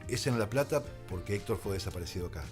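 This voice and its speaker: A man with an Argentine accent and a low-pitched voice talks as a guest in a radio studio. He explains his ideas in an articulate, deliberate way, with faint music underneath. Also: animated. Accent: Argentine Spanish. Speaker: radio guest, radio drama creator. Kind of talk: reflective radio interview conversation.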